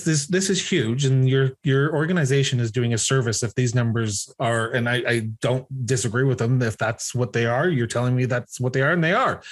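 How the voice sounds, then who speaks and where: A man's voice: mid-range voice, husky. A man hosting an interview show, speaking with emphasis and repeating words as he stresses his points. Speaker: podcast host.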